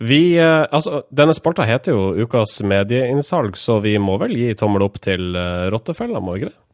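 Male podcast host, medium pitch, conversational commentary, dry close recording. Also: big pitch swings, no room sound. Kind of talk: casual media commentary chat.

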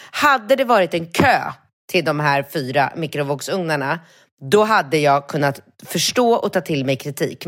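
Animated woman telling a story. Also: deep voice. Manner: animated storytelling, swears when worked up. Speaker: podcast host. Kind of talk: casual chat.

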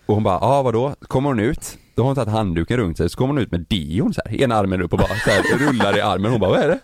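Deep-voiced man telling a story. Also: dry recording, studio quality. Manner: animated storyteller, acts out quotes, swears freely. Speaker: podcast host telling a story. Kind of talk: casual chat.

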